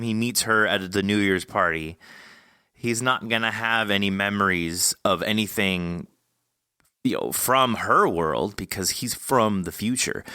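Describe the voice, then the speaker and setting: A man with a lowish, very bright voice talks as a podcast host. He thinks aloud in a rambling, conversational way and poses questions as he goes. The recording is close and dry. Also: smooth, dry recording. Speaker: podcast host interviewing an author. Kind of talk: casual conversational interview.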